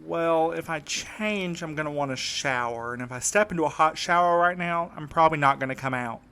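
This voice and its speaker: A man's voice: a little high, a little fast, sharp tone, clean tone. A man playing an exhausted, wry mail carrier in a naturalistic audio drama, talking in a weary, dry way. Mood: recounting, uneasy. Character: battered, exhausted young male mail carrier, wry and evasive.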